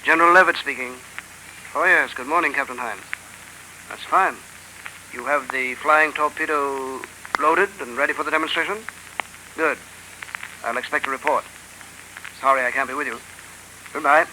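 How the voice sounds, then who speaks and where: An actor playing a brusque, impatient army general in a 1930s radio drama. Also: male voice, medium pitch, moderate pace, pauses often, close to an everyday voice. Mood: gruff. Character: blustering older male army general. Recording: old radio broadcast, faint hiss.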